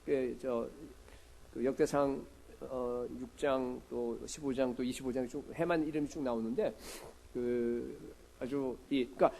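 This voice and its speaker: Dark-voiced Korean pastor preaching conversationally. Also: male voice, mid-range voice, steady tone, a little slow, gravelly, slight background noise, rough recording. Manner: conversational preaching, asks the congregation questions, swings between loud and quiet. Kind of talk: sermon. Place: church sanctuary.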